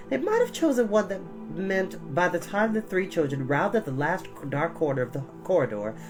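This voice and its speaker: A man hosting a storytime, speaking in a reassuring, expressive manner as he reads and chats. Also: a little high. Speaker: storytime host and reader. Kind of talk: audiobook-style storybook reading with chatty intro. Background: music.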